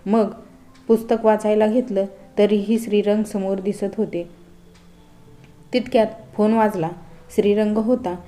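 A woman narrates a first-person family love story as a storyteller. She speaks in a calm, even manner, and her voice is mellow and warm. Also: medium pitch, measured pace, pauses often.

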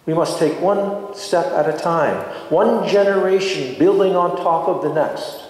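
A middle-aged man, a priest, giving a sermon in a deliberate, reflective way with pauses between short phrases. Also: a little high, a little mellow. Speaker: priest preaching a homily. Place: large stone church, indoors. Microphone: microphone on a stand at the lectern. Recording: very echoey church with long reverb.

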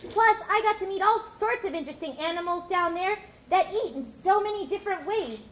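A woman's voice: very high voice, brisk, a little hiss or hum. A woman puppeteer voicing a lost, eager young whale in a live puppet show. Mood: cheerful. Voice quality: bright, excitable. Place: stage in a hall.

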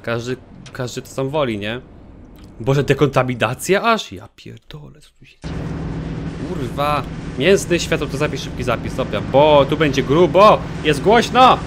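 A man giving excitable let's play commentary, swearing often as he plays. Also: mid-range voice, normal speed, background noise. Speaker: gaming commentator.

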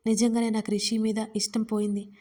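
A woman narrator voicing a gravely ill young woman who speaks wearily and quietly. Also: fairly high pitch, flat delivery, a little fast, natural voice. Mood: weary. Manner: weary, quiet, resigned.

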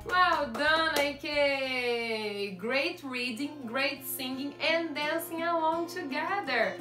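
With music playing in the background, a young woman teacher sings along while reading a picture book to children, cheerful and sing-song. Her voice is high-pitched and slow. She's recorded on camera in a small classroom corner.

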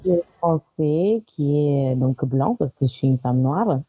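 A woman's voice: sits low, lively intonation, unhurried, husky, dry recording, phone-quality sound. A woman in her thirties, a guest in an interview, talking casually with frequent small laughs and hesitations. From Italy. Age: 30s. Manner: warm, laughs often, many hesitations.

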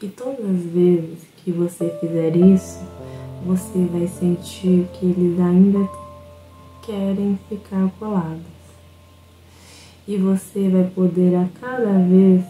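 A woman with a Brazilian Portuguese accent leads a guided self-hypnosis session, speaking very slowly, calmly and instructively. Her voice is mellow and warm, and sits low for a woman. It echoes in a roomy space with faint instrumental music behind. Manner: slow, soothing, instructive.

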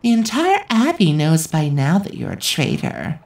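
A woman's voice: sits low, wildly swooping pitch, moderate pace, gravelly, a little mellow, exaggerated voice. A woman voicing a sardonic, cool young woman in a fan dub of an anime game. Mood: cool warning.

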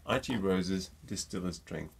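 Stuffy-nosed man with a deep gravelly voice. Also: a little slow. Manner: chatty and jokey, with many ums. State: stuffy nose from a cold. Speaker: gin reviewer. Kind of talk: casual tasting chat to camera. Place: home room with shelves of bottles. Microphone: desk mic close up.

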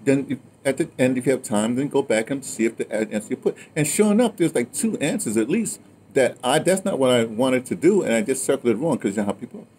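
A man in his sixties with an American accent, chatting casually and telling stories in a digressive, animated way. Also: medium pitch, fast. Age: 60s. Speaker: host of an audio memoir channel. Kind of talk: casual storytelling chat. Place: outdoors on a patio in daylight. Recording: outdoor ambient noise.

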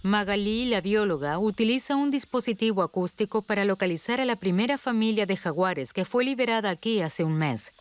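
A woman's voice: mid-range voice, expressive, fairly quick, few pauses, no room sound. A woman reading scripted narration for a nature documentary. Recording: music behind the voice. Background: documentary music.

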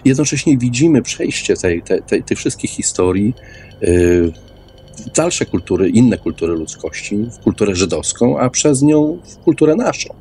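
A man's voice: mid-range voice, big pitch swings, normal speed, dark tone, a little hiss or hum. A man in an informal, opinionated radio discussion, speaking emphatically and often repeating words. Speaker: guest in an online radio debate.

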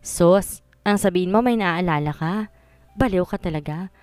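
A woman's voice: lowish voice, moderate pace, a little mellow, no echo, lightly acted. A woman voicing a sassy, teasing gay male best friend who talks in a brash way.

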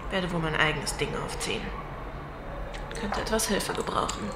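A woman's voice: low voice, expressive, normal speed. An actress playing a battered, scheming gangster woman, vengeful and seductive, in an audio drama. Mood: cool, calculating. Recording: echoey with loud background noise.

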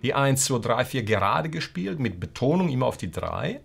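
A man's voice: medium pitch, big pitch swings, normal speed, vocal fry. A man teaching a guitar lesson, explaining strumming rhythms and counting the beats aloud. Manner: counts beats aloud and sings snippets of rock songs while explaining. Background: guitar playing.

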